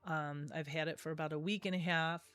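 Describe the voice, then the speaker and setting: A woman's voice: sits low, steady tone, fairly quick, fairly bright tone, dry recording. A middle-aged woman, nasal from a cold, chatting her way through a craft tutorial and often correcting herself. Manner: chatty, rambling, self-correcting. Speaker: craft video host. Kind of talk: casual craft tutorial voice-over.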